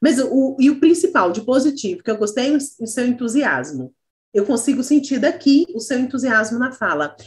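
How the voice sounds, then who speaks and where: Woman teacher on a video call, kinda high voice, encouraging, lots of ums as she thinks. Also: expressive, moderate pace. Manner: encouraging, thinks aloud with fillers. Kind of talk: online class feedback.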